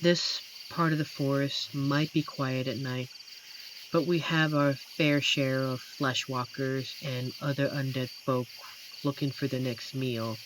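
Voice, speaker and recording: A performer voicing an amiable, shy werewolf forest protector in a roleplay audio drama, speaking gently and hesitantly with earnest pauses. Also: mid-range voice, steady tone, lightly acted. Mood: gentle, reserved. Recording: noisy track with night cricket ambience. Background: crickets and night forest insect ambience.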